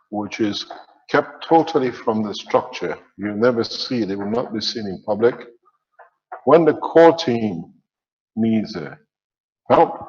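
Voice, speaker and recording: A man teaching in a slow, measured way, his phrases trailing off at the ends. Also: mid-range voice, big-room sound, muffled recording. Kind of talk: spiritual teaching lecture.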